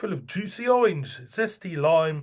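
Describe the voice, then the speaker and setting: The speaker has a northern English accent, lively intonation and a very slow pace. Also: man. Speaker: beer reviewer. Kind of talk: casual review vlog.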